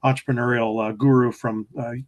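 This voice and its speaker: A man's voice: mid-range voice, flat delivery, brisk. A man hosting a workshop broadcast, encouraging, with frequent restarts. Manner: encouraging, many fillers and restarts. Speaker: host.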